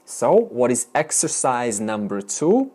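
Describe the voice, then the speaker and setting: A man lecturing a Vedanta class, his voice rising and falling in a lively, animated way. He explains each idea step by step and keeps turning questions to his students. His pitch sits in the middle for a man. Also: slow. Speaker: Vedanta teacher.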